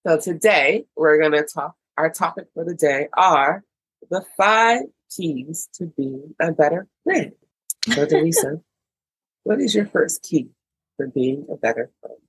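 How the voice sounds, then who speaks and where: A woman's voice: low-pitched, lively intonation, a little slow, slightly rough, dry recording, low-quality recording. An American woman co-hosting a casual podcast chat, chatty and playful. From United States. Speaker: podcast co-host.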